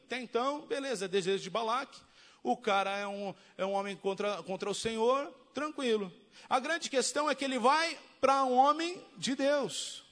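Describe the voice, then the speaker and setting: A man with a Brazilian Portuguese accent preaching a sermon as pastor, telling the story in a lively way and acting out the quoted voices. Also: very high voice, long reverb tail.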